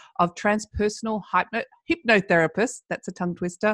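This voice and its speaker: A woman talks at a fairly quick pace in an enthusiastic, animated tone. The sound is dry and close, with no echo. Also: very clean recording, silent background. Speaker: podcast host. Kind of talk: interview, enthusiastic host.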